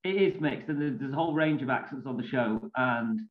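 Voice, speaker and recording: A man's voice: medium pitch, fairly quick. A man in his thirties with a northern English accent, a soap actor chatting casually in an interview and laughing easily, speaking over a video call from a small room. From England. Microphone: laptop video call. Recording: echoey, dull video call audio.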